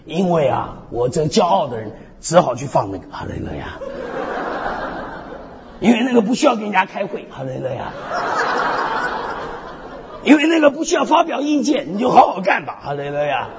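A man's voice: high-pitched, moderate pace, long pauses, background noise. A male pastor preaching a sermon with energy, mixing humor and self-deprecating stories with frequent hallelujahs. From North America resident. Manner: animated preaching, peppered with call-and-response hallelujahs. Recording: dull hall with long reverb.

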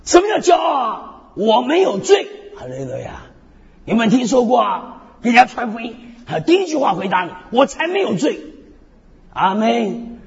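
At normal speed, a pastor living in North America preaches animatedly in an extremely high, creaky, breathy voice, weaving jokes and self-mocking anecdotes around frequent call-and-response hallelujahs. The recording comes from a dull hall with lengthy reverb.

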